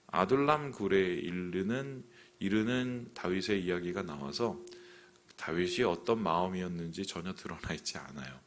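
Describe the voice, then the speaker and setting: A male pastor preaching an early morning sermon, asking the congregation questions and voicing inner thoughts, sometimes dropping very soft. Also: deep voice. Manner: preaching with rhetorical questions and voiced inner monologue.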